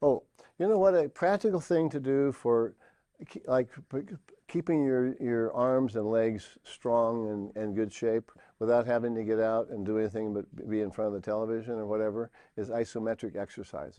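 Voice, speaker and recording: There is little sound behind the speaker. His voice has a dark, mellow tone. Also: medium pitch for a man, ordinary pitch variation, moderate pace. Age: 70s. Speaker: workshop speaker. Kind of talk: talk to live audience with demonstrations. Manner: animated.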